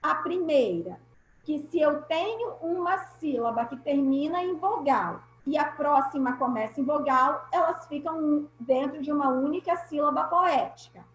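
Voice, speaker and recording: Slow, high-voiced woman teacher. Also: expressive. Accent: Brazilian Portuguese. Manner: patient, explanatory, repeats key points. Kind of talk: online class lesson. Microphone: video call. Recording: echoey room.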